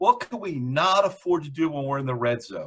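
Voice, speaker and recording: Here a man talks at a moderate pace and a fairly high pitch. He has a plain, everyday voice. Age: 50s. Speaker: financial advisor. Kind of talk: podcast interview.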